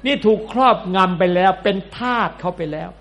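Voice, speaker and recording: A man's voice: high voice, a little fast, fairly bright tone. A man, a Buddhist monk, giving a sermon in a blunt, colloquial, scolding way.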